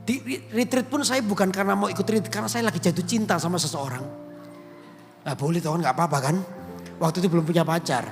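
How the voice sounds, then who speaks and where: A middle-aged male pastor, telling a personal testimony in an animated sermon. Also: sits high, fast talker. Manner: animated storytelling, drops into Javanese phrases. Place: large church auditorium. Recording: reverberant church hall with music.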